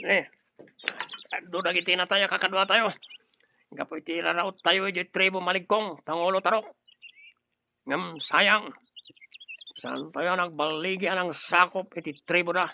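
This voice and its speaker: An actor playing a loyal, eager tribal warrior in a radio drama. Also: male voice, sits high, steady tone, moderate pace, gravelly, long pauses, a little hiss or hum. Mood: deferential. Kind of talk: Ilocano radio drama acting. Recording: dull lo-fi radio drama recording.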